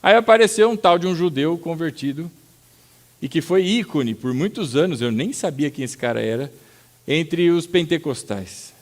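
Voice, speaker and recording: Brazilian male pastor, sermon delivery, slightly high voice, animated storyteller who breaks into loud acted-out lines and keeps calling the congregation brother. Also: moderate pace. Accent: Brazilian Portuguese. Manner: lively storytelling with sudden loud acted-out outbursts.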